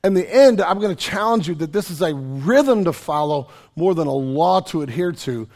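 A middle-aged man, preaching a sermon in a conversational, self-deprecating way with joking asides, his voice raspy and hoarse from a cold. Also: a little high, lively intonation, moderate pace, darkish tone. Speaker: pastor.

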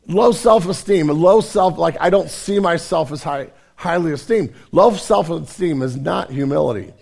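A male pastor preaching a sermon, hoarse and raspy from a cold, earnest and self-deprecating in a conversational way. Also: on the high side, moderate pace, darkish tone.

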